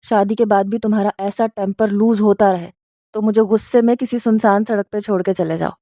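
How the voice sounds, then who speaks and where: A woman reading the lines of an angry young office worker, with scolding, sharp retorts. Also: medium pitch, steady tone, no echo, studio quality, lightly acted.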